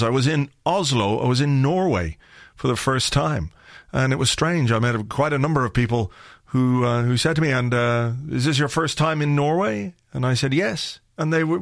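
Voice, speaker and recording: Irish male podcast host, slightly croaky, rambling and wry, dry booth sound. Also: on the high side, no room sound. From Ireland. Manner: rambling, wry and chatty, with filler words. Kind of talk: casual solo podcast chat.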